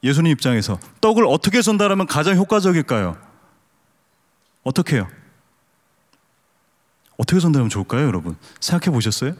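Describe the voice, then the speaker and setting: A man pastor preaching a sermon with humor, questioning the congregation and asking them to raise their hands. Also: a little high. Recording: long hall reverb.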